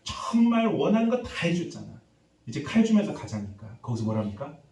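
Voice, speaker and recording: A man preaching a revival sermon as a pastor, lively and acting out the people he quotes while quizzing the congregation. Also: fairly high pitch, fairly quick. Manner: animated, acts out quoted voices, quizzes congregation. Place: church sanctuary. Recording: echoey church hall, distant mic.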